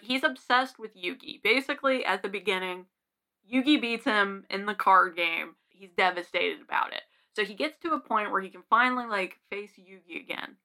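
A woman's voice: mid-range voice, pushed and bright. A young woman co-hosting a podcast in casual, rambling chat with giggly asides. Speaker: podcast co-host.

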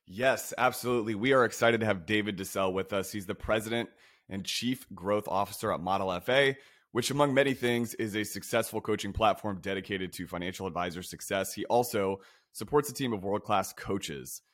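A hoarse man with a low voice, co-hosting a podcast. He is friendly and clears his throat now and then as he gets through an introduction. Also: fairly quick, a bit bright. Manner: friendly, reads the guest intro. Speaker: podcast co-host. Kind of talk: casual podcast chat.

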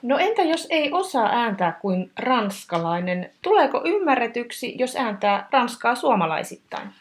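A woman's voice: a little high, very animated. A woman co-hosting a lesson, asking curious, informal questions.

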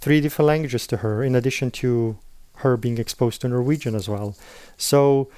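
A man in his thirties, a native Slovenian speaker, talks reflectively in an interview. His voice is mellow and clean, recorded close and dry. He hedges and checks in with the listener often. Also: medium pitch, normal speed, no echo. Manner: thoughtful, hedging, often adds "right?" and "in all honesty". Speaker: interview guest.

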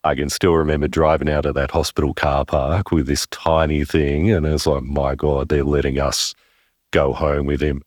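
In a reflective interview about parenthood, a father with a very deep, resonant, darkish voice talks about becoming a dad, halting and pausing and restarting as he searches for words. His delivery is flat and thoughtful, and the sound is close and dry with no room sound.

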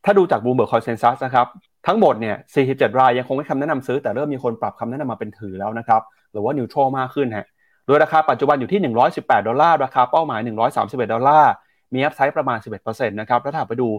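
A man presents business news at a quick clip, polite and formal. The sound is dry and close. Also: medium pitch, dry recording, highs cut off. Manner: polite, formal, frequent polite particles. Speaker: news show host.

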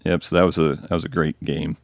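Super deep man host rambling on a podcast, bit of gravel in it, dry room. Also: little pitch movement, quick pace, no room sound. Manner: enthusiastic, rambling recommendations. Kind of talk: casual chat.

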